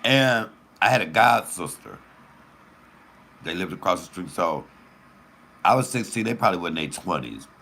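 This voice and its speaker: A man with a deep voice telling a profane, animated comic story in casual storytelling style, laughing at his own jokes. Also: moderate pace, long pauses, slight background noise. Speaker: comedian host.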